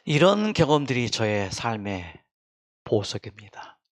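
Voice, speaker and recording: A man's voice: medium pitch, very animated, unhurried. A man giving a Christian health lecture, telling a patient's story and quizzing the audience.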